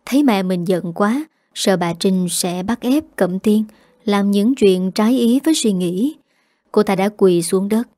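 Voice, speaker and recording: Mellow-voiced woman narrating a story. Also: mid-range voice, unhurried, no echo, studio quality.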